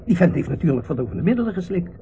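An actor playing an irritable, gloomy company director and husband in a Dutch radio play, curt and sardonic. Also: male voice, high voice, big pitch swings, rapid-fire, dark tone. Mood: irritated. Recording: muffled, noisy old radio play recording.

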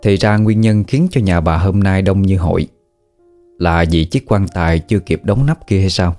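A man with a Southern Vietnamese accent narrating a ghost story in a steady, measured way. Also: low-pitched. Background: faint background music.

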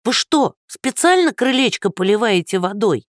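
Narrator putting on a shrill cranky old woman. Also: big pitch swings, measured pace, fairly bright tone, no echo, studio quality, exaggerated voice. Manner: shrill, scolding, hoarse cackle.

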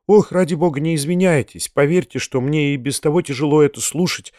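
A male reader puts on a flustered young woman, pitched a little higher than his plain voice, firing off vexed exclamations. The sound is dry and close, with no room in it. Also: a little mellow, no echo, lightly acted. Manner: quick, exasperated exclamations.

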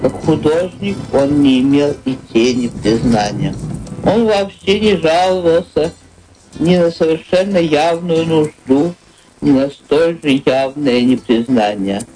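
An actress playing a woman poet who solemnly recalls a lost friend in a radio drama, measured and reflective, as if reciting. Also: deep voice, mellow, low-quality recording. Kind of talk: literary memoir monologue in a radio drama. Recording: music behind the voice.

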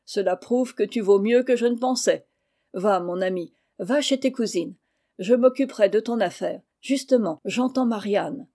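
A woman reading the part of a kindly male judge who speaks calmly and reassuringly in a storybook. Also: mid-range voice, normal speed, close to an everyday voice. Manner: calm, reassuring.

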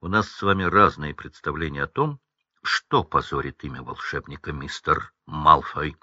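A man's voice: very deep voice, animated, unhurried, bright, forceful tone, breathy edge, dry recording, dull audio, voice pushed down, exaggerated voice. A man voicing a mild-mannered middle-aged wizard father who answers curtly and sternly. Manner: stern, clipped.

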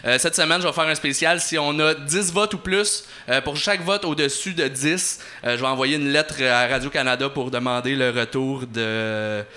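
A man's voice: fairly high pitch, moderate pace, few pauses, bright, forceful tone. A man hosting a show and reading an interactive story aloud, hesitant with fillers between passages. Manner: hesitant, lots of filler, then theatrical reading. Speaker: host and story narrator.

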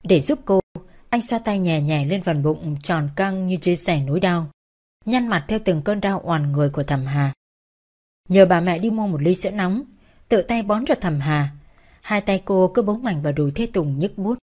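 A woman's voice: on the low side, lively intonation, normal speed, a little mellow. A woman reading a novel aloud as narrator, taking every role in the same plain voice.

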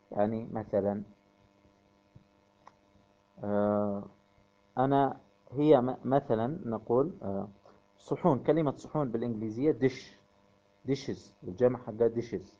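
A man teaching a language lesson, repeating each example phrase slowly and deliberately for his learners. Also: mid-range voice. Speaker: English teacher. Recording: tinny phone-like audio with mains hum.

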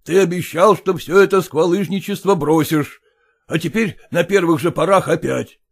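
A man's voice: on the high side, slightly rough. A man doing a stern, lecturing father-in-law. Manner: lecturing, scolding, drawn-out.

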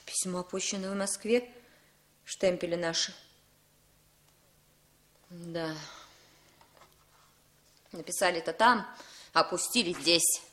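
An actress playing a young woman who speaks in a brisk, firm, commanding way in a 1960s radio drama. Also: fairly low pitch, sharp tone.

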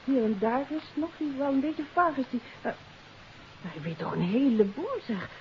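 An actress playing a detective's curious, poised wife in a 1950s radio drama. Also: female voice, high-pitched, expressive, normal speed. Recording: muffled 1950s radio recording with hiss.

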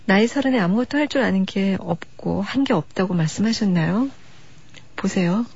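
A woman hosting a late-night radio music show, talking softly and unhurriedly as she introduces songs and reads listener letters. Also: mid-range voice, animated, normal speed, vocal fry, husky, dry recording. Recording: dull lo-fi radio broadcast archive.

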